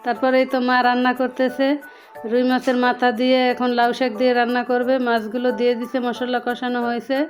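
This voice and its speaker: A woman with a Bangladeshi accent narrates a casual home vlog. Her pitch sits a little high and barely moves at all. Music plays faintly behind her. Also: monotone, fast. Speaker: home vlogger. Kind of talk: casual voice-over narration of a daily cooking vlog. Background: background music.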